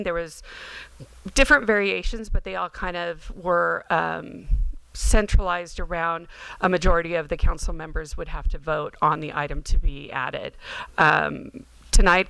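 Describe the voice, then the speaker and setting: A woman with a bright, forceful voice delivers a formal staff report. She is halting and matter-of-fact, with gravelly fry in her voice and a dry, close sound. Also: on the low side, dry recording, poor audio. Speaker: city staff clerk.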